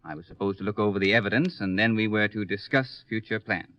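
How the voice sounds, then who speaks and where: A courteous, measured lawyer from an old radio drama serial. The voice is low and the manner matter-of-fact and careful. The sound is close, dry and lo-fi. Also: male voice, bright, forceful tone, dry recording. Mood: careful, polite. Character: courteous, measured professional male lawyer being questioned. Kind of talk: 1950s American radio detective serial acting.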